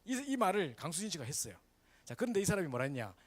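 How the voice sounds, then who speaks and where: A man's voice: on the high side, racing. A male pastor, preaching a sermon in a church and often checking in with the congregation. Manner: lively, animated preaching with frequent "그죠?" asides to the congregation. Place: church sanctuary.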